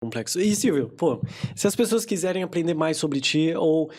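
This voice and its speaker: A man's voice: on the high side, animated, moderate pace, darkish tone. A man hosting a podcast, chatting in a casual, reflective way with loose phrasing. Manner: reflective, loose, with many fillers and restarts. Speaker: podcast host.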